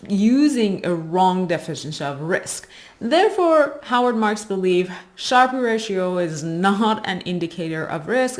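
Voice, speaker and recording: A woman hosting an explainer video, presenting in a didactic way and stressing key words. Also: on the low side. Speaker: host of an investing video channel.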